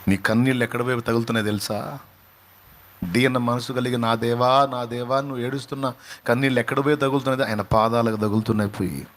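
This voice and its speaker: A man with a Telugu accent preaching a sermon as a pastor, impassioned, often rising in pitch and acting out quoted speech. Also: fairly even intonation, fast, slight background noise.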